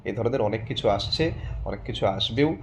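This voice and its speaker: A man with a West Bengal Bengali accent teaching interview candidates in an informal spoken lesson, coaxing listeners and slowly repeating words to demonstrate pronunciation. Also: lowish voice, a little hiss or hum. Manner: conversational and coaxing, often checks in with listeners.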